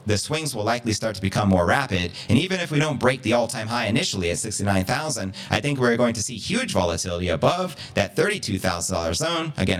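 A man's voice: mid-range voice, a bit bright. A man hosting a live crypto news commentary stream in an emphatic presenter style with some slang, recorded with echoey audio. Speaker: livestream host. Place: indoor livestream with echoey sound.

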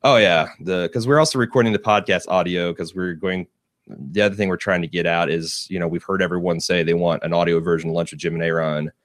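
Casting: low male co-host, loose jokey chat, bone-dry studio sound, curses a lot. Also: steady tone, quick pace, no room sound. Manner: joking, swears freely, laughs often. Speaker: podcast co-host. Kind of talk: casual chat while testing software. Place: small studio. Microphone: studio mic.

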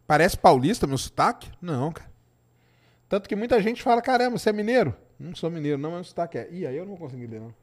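A man's voice: on the high side, lively intonation, racing. A middle-aged Brazilian man with a Minas Gerais accent, hosting a science live stream and chatting casually with viewers. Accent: Minas Gerais Portuguese. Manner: chatty, informal, answers chat questions with tag "tá?". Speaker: science show host.

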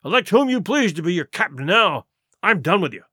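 Picture a sly, forceful old ship's cook turned pirate leader, as a man reading aloud does him. He growls threats and scorn in rough sailor's speech, in a high, bright voice that leaps up and down. The sound is dry and close. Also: sing-song, a little slow, dry recording, exaggerated voice. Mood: scornful.

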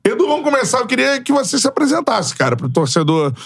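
A man's voice: very high voice, very animated, fast talker, gravelly, a bit bright, slightly rough. Upbeat casual podcast host, a man. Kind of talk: podcast interview.

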